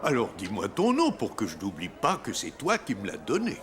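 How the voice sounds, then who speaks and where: An actor playing a jolly, kindly old Santa Claus in a children's cartoon, with a hearty, jovial manner. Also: male voice, lowish voice, moderate pace. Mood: jolly, gentle. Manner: jovial, hearty chuckling, expressive.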